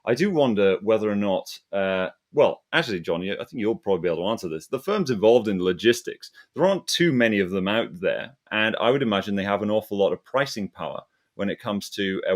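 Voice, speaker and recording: Low-voiced man hosting informally. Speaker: host. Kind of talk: informal hosting of an online financial discussion.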